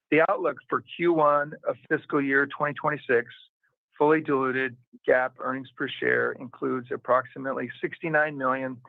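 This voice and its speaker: A man formally reading out a scripted financial report as a company executive, in a measured way. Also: mid-range voice, vocal fry, no echo. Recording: narrow, tinny phone-line sound.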